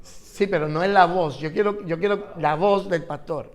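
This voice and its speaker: A man's voice: high-pitched, normal speed. A man teaching an interactive Bible class, asking his students questions and repeating phrases for emphasis.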